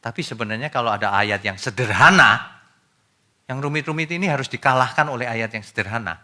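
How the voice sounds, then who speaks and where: A pastor delivers a sermon in a casual way, speaking directly to the congregation with loud, emphatic bursts that fall into quiet asides. His voice is medium-pitched and brisk.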